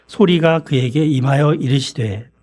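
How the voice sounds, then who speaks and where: A man preaching a sermon in a church, speaking in a measured way and often clearing his throat. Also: a little high, darkish tone. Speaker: pastor.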